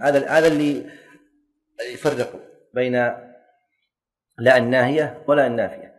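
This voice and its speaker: A man teaching a classroom lesson, quizzing and correcting students and joking lightly. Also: medium pitch. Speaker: teacher of Islamic jurisprudence.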